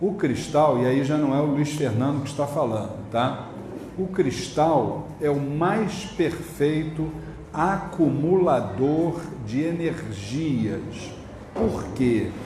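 At a very slow pace and very even loudness, a man talks in a fairly high pitch, with audible room echo and noticeable background noise. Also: lively intonation. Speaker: Umbanda spiritual leader. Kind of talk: religious Q&A talk. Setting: temple with live audience.

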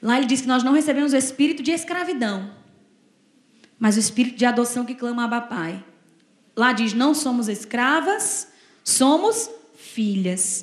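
Audible room echo surrounds a woman speaking at a high pitch with lively intonation. She keeps a moderate pace, with long, frequent pauses. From Rio Grande do Norte, Brazil (Natal). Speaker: preacher. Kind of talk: sermon.

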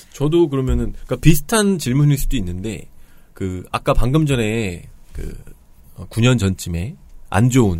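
At a moderate pace, a man with a medium pitch talks with very wide swings in pitch. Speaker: podcast co-host and actor. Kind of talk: casual chat. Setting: studio.

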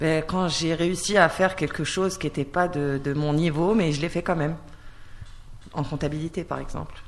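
A woman's fairly low-pitched voice at a moderate pace, fairly even intonation, and noticeable background noise. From North Africa. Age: 30s. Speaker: job seeker. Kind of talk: casual chat.

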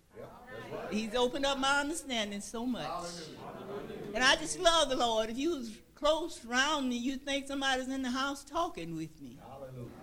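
Someone talks at a fairly quick clip with hardly any pauses over noticeable background noise. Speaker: elder church member. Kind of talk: testimony. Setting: church.

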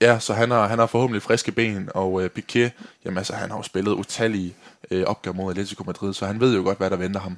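Very fast speech comes from a man with a fairly low pitch and monotone, flat intonation. The sound is dry and close with no echo. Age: 20s. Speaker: podcast co-host, journalism student. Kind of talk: casual chat. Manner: halting.

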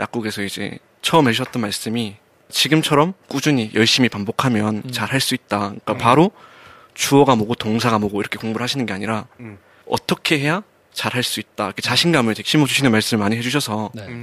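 Speaking at a very fast pace, a man with a medium-pitched voice uses ordinary pitch variation in a dry, close recording with no echo. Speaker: former student, just discharged from military. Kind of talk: interview.

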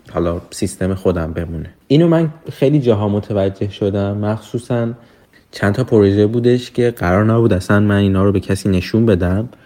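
A man's fairly low voice at a fairly quick pace, with ordinary pitch variation and a quiet background. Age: 20s. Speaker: videographer and photographer. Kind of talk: voice message testimony. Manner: halting.

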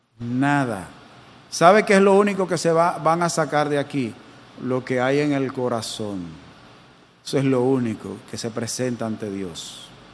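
A man at a fairly slow pace, with very wide pitch swings, long, frequent pauses, and audible room echo. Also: medium pitch for a man. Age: 50s. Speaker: pastor. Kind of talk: sermon. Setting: church.

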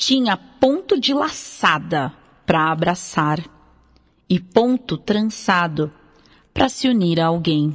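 A woman's fairly low, somewhat breathy voice at a very slow pace, with very wide pitch swings and long, frequent pauses. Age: 30s. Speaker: radio host and storyteller. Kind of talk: storytelling on children's radio. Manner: animated.

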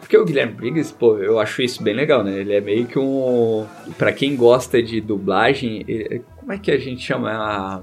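Over noticeable background noise, a man talks at a moderate pace. His medium pitch shows ordinary variation. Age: 30s. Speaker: illustrator. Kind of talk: casual interview. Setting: studio.

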